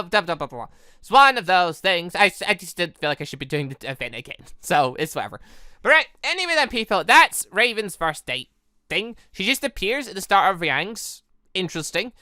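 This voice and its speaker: Gaming host, casual playthrough commentary, very lively pitch, excitable and rambling, close dry sound. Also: no room sound. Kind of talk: casual game playthrough commentary, reading dialogue aloud.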